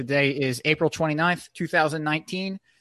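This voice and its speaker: The man has an ordinary speaking voice, fairly high in pitch with ordinary pitch variation, at a moderate pace. The sound is dry and close with no echo, over a quiet background. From Pennsylvania. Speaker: podcast co-host. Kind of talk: casual podcast chat.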